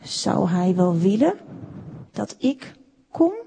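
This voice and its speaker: A woman reading aloud puts on a small wooden puppet boy from a storybook, shy and unsure of himself. His hesitant questions rise and fall, a little breathy, and the room rings with a long echo. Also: mid-range voice, sing-song, takes it slowly, dark tone, pitched below the performer's own voice, full character voice. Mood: timid, wondering. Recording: echoey room with long reverb.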